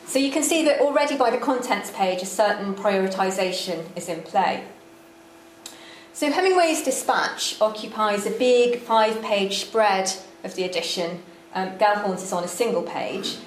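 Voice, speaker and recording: A woman giving a lecture on slides, measured and dry-witted, with frequent ums. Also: medium pitch, animated. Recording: echoey room with faint background noise.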